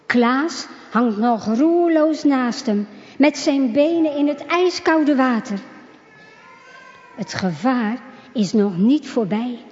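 Slow, high-voiced woman reading a story. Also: darkish tone. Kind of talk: scripted narration of a religious children's story. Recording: reverberant, dull lo-fi sound.

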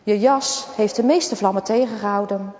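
A woman voicing a kind, gentle hospital nurse who talks soothingly to a patient. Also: mid-range voice, normal speed, lightly acted. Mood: reassuring. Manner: soothing, reassuring. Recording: dull, echoey recording.

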